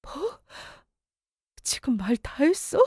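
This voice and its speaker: A woman's voice: high voice, sing-song, slow pace, warm tone, no room sound, clean studio sound, exaggerated voice. A woman playing a young wife who has just lost her pregnancy, emotional and indignant in a radio drama. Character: grieving young wife after miscarriage.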